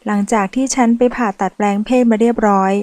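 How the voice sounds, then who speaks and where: A woman's voice: medium pitch, fairly even intonation, quick pace, a little mellow, dry recording, natural voice. A woman reading a novel aloud, voicing a sassy, boastful transgender woman who manages loans at a bank. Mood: teasing. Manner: brash, teasing, boastful.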